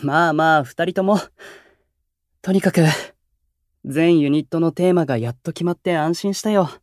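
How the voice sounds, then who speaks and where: An actor playing a calm, gentle young male idol who keeps the peace in a Japanese voice drama, speaking politely and with composure. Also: fairly high pitch, moderate pace, dry recording, studio quality, close to an everyday voice. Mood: composed, reasoning. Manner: soft-spoken, composed, polite and reflective. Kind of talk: Japanese anime-style voice drama acting.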